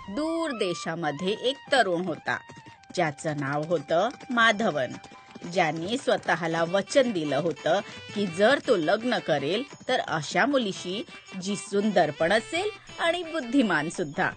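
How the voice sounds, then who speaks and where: A woman's voice: fairly low pitch, very animated, takes it slowly, faint music behind. A woman voicing a wise, kindly storyteller who narrates a children's tale in a didactic way. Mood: storytelling. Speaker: narrator and host.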